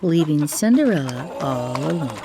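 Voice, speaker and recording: A woman's voice: sits low, very animated, normal speed, heavy background noise. A woman storyteller narrating a children's fairytale expressively, with chatty asides to young listeners. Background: music.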